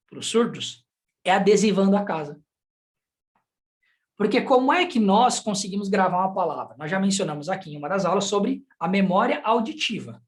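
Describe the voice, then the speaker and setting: A man with a Brazilian Portuguese accent teaching a sign language class in a conversational way, often checking in with the students through rhetorical questions. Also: high-pitched. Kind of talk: live online class.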